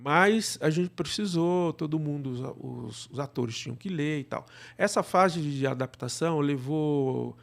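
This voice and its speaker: A man with a Brazilian accent answering interview questions conversationally, explaining in a halting way and often checking with the listener. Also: on the high side, creaky. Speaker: podcast guest, radio drama producer.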